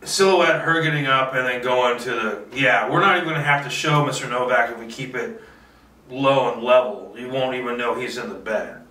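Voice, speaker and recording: Talking to himself during a solo table read, this filmmaker rambles casually, boasting playfully and letting some swearing slip. He speaks at normal speed with a medium pitch and a sharp edge. It's recorded from a distant mic in an echoey room.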